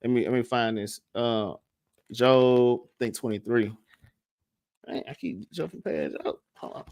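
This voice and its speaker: A man's voice: mid-range voice, measured pace, darkish tone, no room sound. A man with a Southern US accent teaching a casual Bible class, stuttering and restarting often and tagging "man" and "all right?" onto his lines. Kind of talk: casual scripture lesson.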